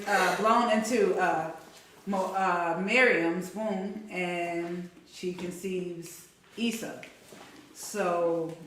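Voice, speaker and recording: A woman chatting as a panel guest on a livestream, halting with many fillers and laughing asides. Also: fairly low pitch, fairly bright tone. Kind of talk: casual livestream chat. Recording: roomy, distant mic, faint noise.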